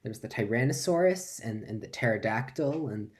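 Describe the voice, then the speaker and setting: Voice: mid-range voice, expressive, fairly quick, a little mellow, lightly acted. A performer playing a flustered, forgetful lecturer who stammers and repeats words through a comic stage monologue. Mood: hesitant, earnest.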